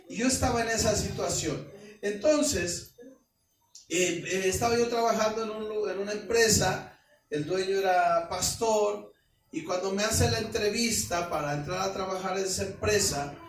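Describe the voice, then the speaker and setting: A man's voice: high-pitched, a little slow, a little hiss or hum. A Mexican-accented pastor in his forties preaching a sermon, telling stories with colloquial asides and rhetorical questions. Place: church hall. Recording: echoey church hall, mic at a distance.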